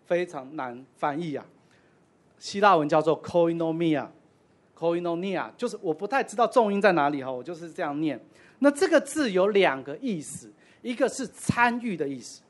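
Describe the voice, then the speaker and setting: A man preaching a sermon as pastor, conversational with self-deprecating asides. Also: a little high.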